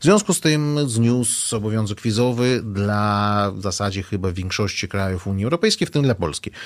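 The man has an unremarkable speaking voice with a fairly low pitch. He speaks at a moderate pace with ordinary pitch variation. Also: hardly any pauses. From Uzbekistan. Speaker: lawyer. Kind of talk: interview.

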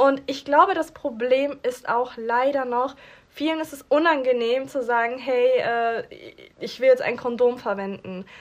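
Against a quiet background, a woman with a high pitch speaks at a fairly slow pace, with ordinary pitch variation and big swings in loudness. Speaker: podcast co-host. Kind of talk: casual chat.

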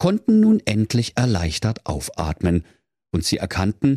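Over a quiet background, the text is read aloud plainly.

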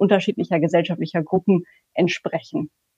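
A woman speaks in a dry, close sound with no echo. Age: 30s. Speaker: designer and research team lead. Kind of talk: interview conversation. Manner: frequent fillers, hesitant.

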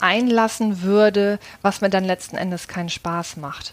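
Fairly slow and with fairly even intonation, an unremarkable speaking voice carries on. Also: woman. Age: 50s. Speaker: former bank employee changing careers. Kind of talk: interview.

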